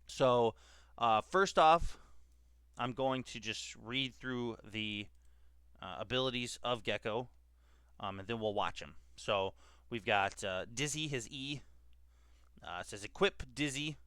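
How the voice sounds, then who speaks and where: Stuffy-nosed young man, bright and crisp. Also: medium pitch, slow, long pauses, no echo, studio quality. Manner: chatty, filler-heavy, reads ability text aloud. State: stuffed up from a cold. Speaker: gaming YouTuber and esports journalist. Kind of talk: casual gaming commentary to camera.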